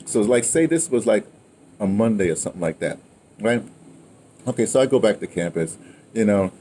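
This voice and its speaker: Outside a house with a wooden awning, an American guest in his sixties talks about his radio history at normal speed in a fairly low voice. His conversational storytelling rambles and digresses animatedly, often punctuated by "right?" and "you know," against clear outdoor ambient noise.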